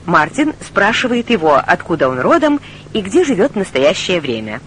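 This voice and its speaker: Lively, measured woman radio-lesson host. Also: fairly low pitch. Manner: clear, instructive, measured. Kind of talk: scripted radio lesson presentation. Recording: studio voice with faint music.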